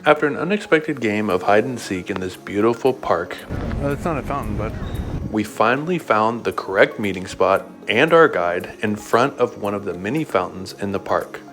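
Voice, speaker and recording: A man's voice: fairly low pitch, expressive, moderate pace, over music. A man co-hosting a travel vlog, talking casually and joking around. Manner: playful, joking. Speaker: travel vlogger host.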